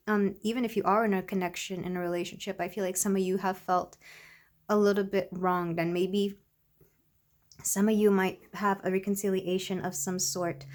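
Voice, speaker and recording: A woman with a congested voice, recovering from illness, giving a soft, rambling tarot reading to her viewers. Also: medium pitch. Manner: soft, rambling, with many fillers. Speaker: tarot reader. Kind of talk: casual tarot reading to camera.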